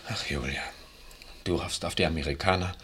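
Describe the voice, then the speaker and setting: A gloomy, weary father in an old radio drama. His voice is very low and husky, with a bitter, commanding edge that sinks into resignation. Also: fairly quick, fairly bright tone, full character voice. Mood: gloomy, resigned. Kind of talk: 1960s German radio drama acting. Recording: 1963 archive radio recording.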